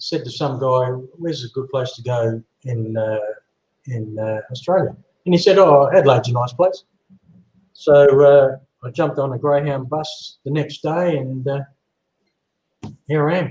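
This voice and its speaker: A man talks at a moderate pace with long, frequent pauses. His pitch is fairly high, with ordinary pitch variation. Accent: New Zealand. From New Zealand. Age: 60s. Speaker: knifemaker and workshop teacher. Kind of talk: casual chat.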